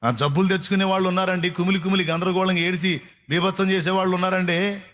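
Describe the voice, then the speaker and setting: A man's voice: sits high, fairly even intonation, fast talker, fairly bright tone. A male pastor preaching a sermon in a colloquial, repetitive style, firing rhetorical questions at his congregation.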